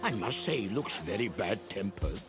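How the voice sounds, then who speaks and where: An actor playing a kindly, courteous older gentleman in a cartoon, gentle and encouraging in manner. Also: fairly low pitch, sing-song, moderate pace. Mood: reassuring. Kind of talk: animated cartoon character acting. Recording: loud music under the voice.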